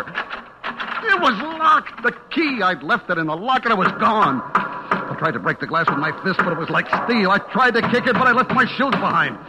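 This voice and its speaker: This man's voice sits high over background noise and dramatic music, an old-time radio broadcast of 1940s-50s suspense acting. He narrates in first person as a terrified, guilty man on the run from a vengeful butcher, panicked and frantic. His breathless, dramatic delivery swings from hushed dread to frantic cries.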